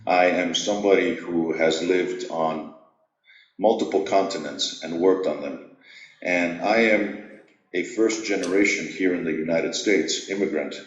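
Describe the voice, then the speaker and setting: A middle-aged man from Greece, an executive coach, telling his story at a measured, reflective pace in an interview. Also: low voice, fairly even intonation, roomy sound, muffled recording.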